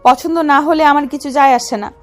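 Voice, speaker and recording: A woman's voice: high voice, brisk, faint music behind, natural voice. An actress playing a young, possessive female mafia don who speaks in a domineering, teasing way in an audio drama. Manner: domineering, teasing, calls him baby.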